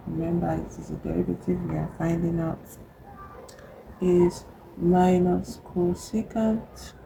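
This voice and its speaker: Low, gravelly Nigerian woman teaching maths. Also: warm tone, slight background noise, rough recording. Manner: chatty and encouraging, checks in with "yeah?" and "okay?"; slows down to spell out formulas while writing. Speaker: math tutor vlogger. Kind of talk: casual whiteboard lesson.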